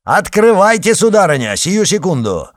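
A man's voice: on the high side, animated, a little fast, no echo, clean studio sound, voice pushed up, natural voice. A man voicing a hot-headed, arrogant young nobleman who sneers and barks orders. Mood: shouting. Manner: sneering, barking commands. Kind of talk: audiobook character voice.

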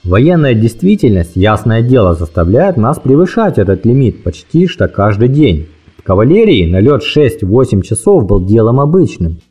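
A man reading a first-person war memoir as an audiobook, in a lively storytelling manner, raising his pitch for the dialogue. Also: moderate pace, breathy edge, soft background music. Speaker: audiobook narrator.

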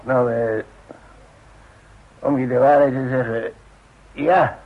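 An actor in a Dutch radio play playing a weary, evasive older father who speaks in halting, hesitant phrases. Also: medium pitch, fairly even intonation. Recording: tinny, narrow-band old radio recording.

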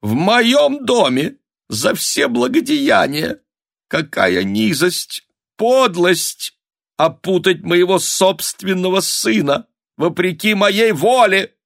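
A shrill, melodramatic old countess, put on by a man reading. She wails and gasps her words in high-strung bursts, every sentence a small catastrophe, in a dry, close sound. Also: expressive, slow pace, creaky, fairly bright tone, no echo, heavily acted. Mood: shrill hysterical. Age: older. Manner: wailing, breathless, melodramatic exclamations. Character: hysterical aging countess mother, shrill and dramatic.

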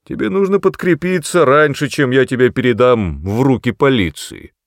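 A man voicing a brutal, drunken middle-aged father who mocks and threatens his son loudly. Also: medium pitch, expressive, moderate pace, dry recording, studio quality, pitched above the performer's own voice, natural voice. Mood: mocking. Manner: mocking, menacing, loud.

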